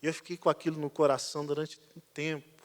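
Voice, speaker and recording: A man, a pastor, preaching a sermon as a lively storyteller, swinging between loud and quiet passages. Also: on the high side, quick pace. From Brazil. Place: church sanctuary. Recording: church hall reverb.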